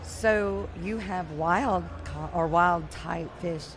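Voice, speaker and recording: A woman with a fairly low voice hosts a relaxed chat on a festival stage, nodding along with quick "right"s and gentle laughs. A clear hum of expo noise runs underneath. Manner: agreeable, frequent short affirmations and laughs. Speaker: panel host. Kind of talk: casual interview chat. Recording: noisy expo hall.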